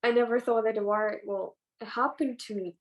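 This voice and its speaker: A twelve-year-old girl with a Ukrainian accent, giving halting, earnest personal testimony over a video call. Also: fairly high pitch, fairly even intonation. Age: child, twelve. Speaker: young participant in a play reading.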